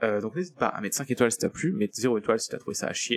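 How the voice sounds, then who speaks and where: Talking at a very fast pace, a man with a medium-pitched voice uses lively intonation, and the sound is dry and close with no echo. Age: 20s. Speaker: 3D animation trainer, podcast host. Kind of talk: casual monologue podcast. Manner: casual, hesitant with fillers.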